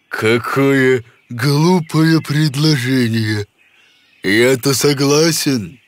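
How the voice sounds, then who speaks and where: A man's voice: medium pitch, no room sound. A man voicing a fierce, sly forest spirit monster in a folk-tale cartoon, menacing and mocking. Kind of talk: animated folk-tale character acting. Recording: music behind the voice.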